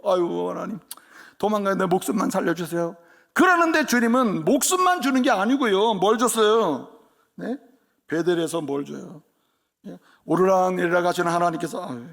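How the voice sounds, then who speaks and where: A man preaching a sermon in a church, lively and conversational, often asking the congregation questions. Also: sits high, vocal fry. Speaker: pastor. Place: church sanctuary.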